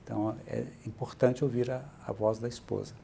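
A man's voice: medium pitch, brisk, gravelly, slight background noise. A middle-aged man with a Brazilian accent, a church bishop patiently explaining things as an interview guest, often adding "né". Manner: steady, explanatory, adds "né" often. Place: bright furnished room, indoors.

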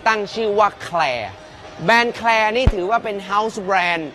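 A man in his forties hosting a live walkaround at an indoor exhibition, lively and joking, exclaiming as he goes. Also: high voice, slow pace, faint music behind. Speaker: tech show host touring an expo. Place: busy indoor exhibition hall. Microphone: handheld mic, filmed by a roaming camera.

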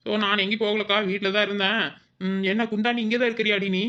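A woman's voice: mid-range voice, level tone, fast, fairly bright tone, muffled recording, close to an everyday voice. Woman voicing a panicky young village woman. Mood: flustered. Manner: frantic wailing, repeating herself. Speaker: cartoon character.

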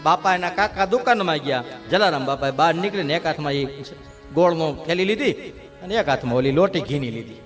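A man telling a devotional story as a sermon, dramatic and lively. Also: fairly high pitch, brisk, over music. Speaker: religious storyteller.

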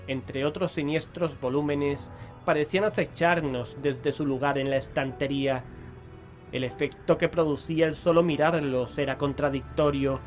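An actor playing an uneasy investigator who tells a horror tale in a measured, literary, dramatic way. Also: male voice, fairly high pitch, natural voice. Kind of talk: scripted first-person horror narration.

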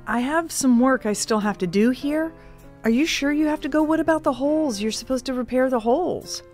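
A woman's voice: sits high, a little mellow, faint music behind, lightly acted. Woman acting a hesitant, sweetly awkward bounty hunter. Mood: probing, uneasy. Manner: hesitant, halting, polite. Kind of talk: improvised radio drama dialogue.

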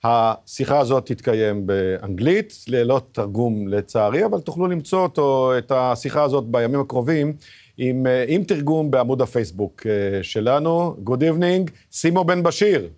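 A middle-aged man with a Palestinian accent hosting a TV interview from a studio, halting with many fillers. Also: mid-range voice, expressive, darkish tone. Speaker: TV host.

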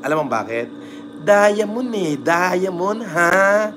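A man with a Batangas Tagalog accent hosting a livestream, giving shout-outs and reading viewer comments in a crude, teasing manner. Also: high-pitched, animated, takes it slowly. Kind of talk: casual livestream chat.

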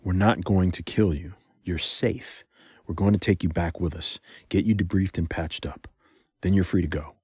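An actor playing a protective, defiant yet tender male spy in an intimate audio drama, with a husky voice. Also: deep voice, fairly even intonation, moderate pace, a little mellow, no room sound, studio quality. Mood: soothing.

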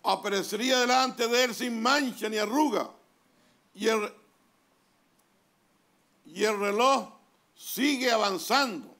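Chilean pastor preaching slowly, gravelly voice. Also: male voice, high voice, bright, forceful tone. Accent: Chilean Spanish. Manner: deliberate preaching with pauses, calls of amen. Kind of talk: sermon reading from a translated message. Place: church hall.

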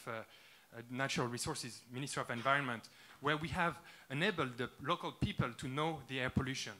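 A man in his thirties with a French accent, giving an earnest startup pitch on a conference stage into a handheld mic, with frequent "uh" fillers. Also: sharp tone. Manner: earnest, eager, with many "uh" fillers. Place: large dark conference stage with audience.

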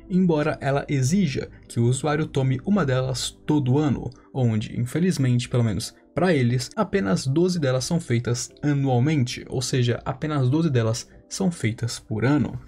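Young man, explainer host, emphatic asides, somewhat high voice, warm mellow tone, small home studio, faint music behind. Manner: emphatic, frequent asides like "claro" and "obviamente". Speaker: anime lore channel host. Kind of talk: explainer narration. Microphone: large studio mic beside him. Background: background music.

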